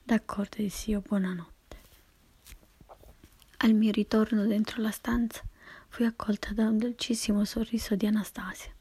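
A woman reading a personal memoir aloud in whispered narration, hushed and measured throughout. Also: mid-range voice, little pitch movement, slightly rough, no echo.

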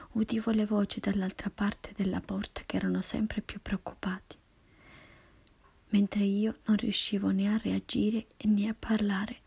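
A woman reading a first-person story in a slow, hushed, intimate whisper. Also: mid-range voice, vocal fry, husky. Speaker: narrator.

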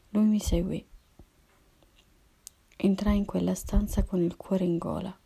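Woman narrator, whispered first-person narration, airy and husky with a gravelly rasp. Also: fairly low pitch. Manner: hushed, breathy whisper.

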